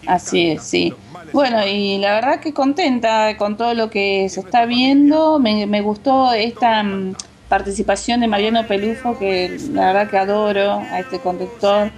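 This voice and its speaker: A woman's voice: medium pitch, a little slow, a little mellow, faint music behind. Argentine woman telling a story. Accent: Rioplatense Spanish. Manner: storytelling, hesitant with fillers and restarts. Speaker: co-host. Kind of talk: casual TV commentary chat.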